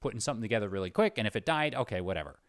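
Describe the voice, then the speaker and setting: A man with a low voice hosts a casual interview in a dry-sounding recording. He talks informally and haltingly, rambling his way toward each question. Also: animated, clean tone, no room sound. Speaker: interviewer, channel host. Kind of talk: casual chat.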